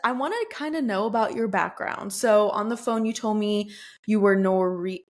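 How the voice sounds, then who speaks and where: A woman's voice: mid-range voice, normal speed. Bubbly chatty woman podcast host. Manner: bubbly, chatty, laughs often, many likes and ums. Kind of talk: casual interview chat.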